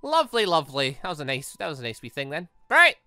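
A man giving casual, animated game commentary as he thinks aloud in a rambling, expressive way. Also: on the high side, quick pace, smooth, dry recording. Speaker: gaming channel host. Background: background music.

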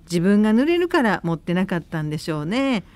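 Female radio co-host, Kansai accent, lively varied intonation, mid pitch, casual reading and chat. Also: brisk. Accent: Kansai Japanese. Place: radio studio.

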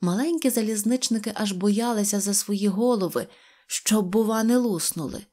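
A woman reading an audio fairy tale in an expressive storytelling manner. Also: mid-range voice, normal speed. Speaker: narrator.

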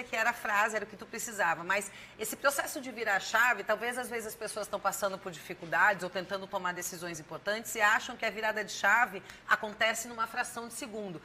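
A woman's voice: mid-range voice, bright, forceful tone, slight background noise. A woman in her thirties with a southern Brazilian accent, interviewing a guest conversationally as a TV host. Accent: southern Brazilian, Santa Catarina. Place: TV studio, indoors.

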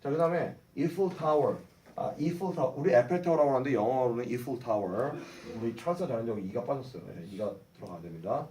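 A man's voice: mid-range voice, dark tone, a little hiss or hum. A middle-aged man teaching English phrases to a class, drilling them and having the group repeat. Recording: roomy echo, mic at a distance.

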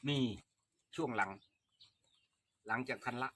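A man telling a life story in casual chat, emphatic and animated. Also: mid-range voice, slow.

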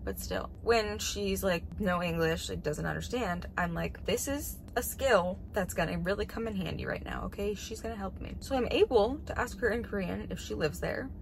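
Woman, late 20s, casual profane storytime from her car; lowish fry-heavy voice, noisy car recording. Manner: rambling, profane, sarcastic asides. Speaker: vlogger. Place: parked car, indoors. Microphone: phone camera at arm's length.

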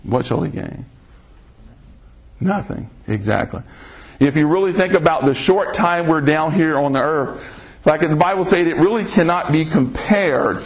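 Reading scripture aloud, a man preaches a sermon on a podcast and challenges his listeners with rhetorical questions. He speaks slowly and emphatically, his pitch jumping abruptly.

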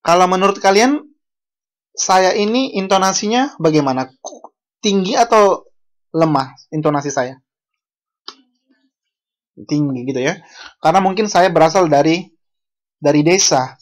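Slow, unhurried lecturer from Bali. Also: medium pitch, expressive. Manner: unhurried, asks the class questions, self-correcting. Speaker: university lecturer. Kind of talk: online language lecture.

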